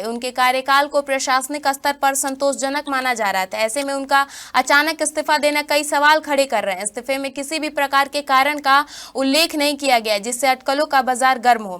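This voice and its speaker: A woman news anchor reading a regional bulletin in a formal, steady manner. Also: sits high, fairly quick, hardly any pauses. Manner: formal, steady headline delivery.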